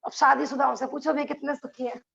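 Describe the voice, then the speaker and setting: A woman with a high, gravelly voice leads a religious class. She keeps turning to her listeners with rhetorical questions and laughs between her points. The recording sounds dull and lo-fi. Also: level tone, fast talker, a bit bright. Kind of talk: lecture to a class.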